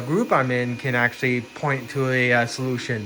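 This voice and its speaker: There is noticeable background noise behind this man as he talks. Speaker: 3D printing YouTuber. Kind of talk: casual tutorial vlog. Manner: halting, many filler words; slurred speech.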